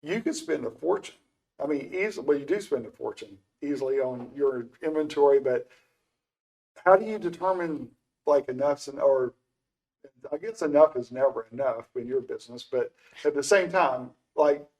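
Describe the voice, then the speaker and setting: A man's voice: mid-range voice, moderate pace, a little mellow, low-quality recording. An older man hosting an interview show, chatty and rambling, often restarting his questions. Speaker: show host. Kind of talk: casual interview conversation.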